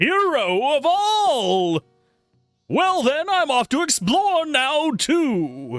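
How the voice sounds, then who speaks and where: A high-pitched, put-on character voice at a very slow pace, with faint music in the background. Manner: over-the-top, bombastic.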